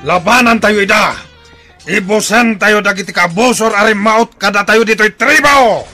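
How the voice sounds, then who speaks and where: A man's voice: sits high, moderate pace, pushed and bright, faint music behind. An actor with a Filipino accent playing a fierce, commanding tribal chief in a radio drama, barking out his orders. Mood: fierce, shouting.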